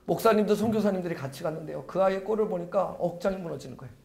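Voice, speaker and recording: Middle-aged male pastor with a high voice, preaching with dramatic swings from loud to hushed. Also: rapid-fire, vocal fry. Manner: dramatic storytelling, swinging from loud urgency to hushed near-whisper. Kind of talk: sermon.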